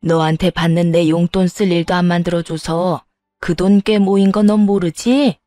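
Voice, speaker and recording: A woman's voice: lowish voice, steady tone, moderate pace, warm tone, no room sound, studio quality, faint music behind, natural voice. A woman voicing an older mother-in-law who speaks in a firm, scolding, old-fashioned way. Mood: coaxing.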